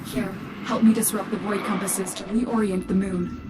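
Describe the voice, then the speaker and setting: An actress playing an urgent, protective woman who guides and commands her warriors in a video game, measured and earnest. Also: fairly even intonation, over music, natural voice. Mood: grave, urgent. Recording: loud game ambience and rumbling.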